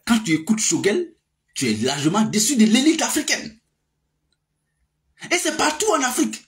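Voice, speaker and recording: A man's voice: high-pitched, wildly swooping pitch, moderate pace. A man, giving a casual political monologue with many fillers and emphatic outbursts. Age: 30s. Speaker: political commentator.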